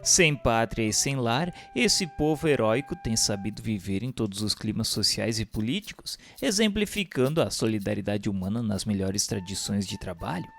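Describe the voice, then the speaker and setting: A man's voice: lowish voice, lively intonation, normal speed, gravelly, few pauses, fairly bright tone. A man with a Brazilian accent reads a scripted religious text as narrator, in a solemn, formal, declamatory manner. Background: instrumental music.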